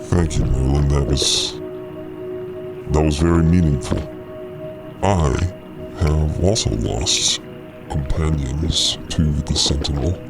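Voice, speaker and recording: Audio drama creature: bottomless low register, unhurried and measured, grave, mournful teacher. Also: male voice, gravelly, music in the background, heavily acted. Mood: solemn, halting. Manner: halting, measured, somber. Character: strange liquid creature, grave grieving teacher, slow-spoken. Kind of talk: acted audio drama dialogue.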